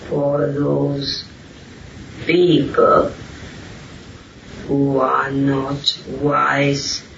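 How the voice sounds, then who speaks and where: A man speaking as a spiritual teacher, answering questions solemnly and deliberately in halting short phrases. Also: mid-range voice, completely flat delivery, vocal fry, fairly bright tone. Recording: roomy, distant, muffled, hissy amateur recording.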